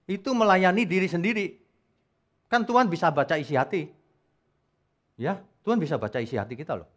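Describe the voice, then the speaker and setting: A man preaching a sermon at a church service, emphatic and animated, with loud peaks. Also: mid-range voice. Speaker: pastor.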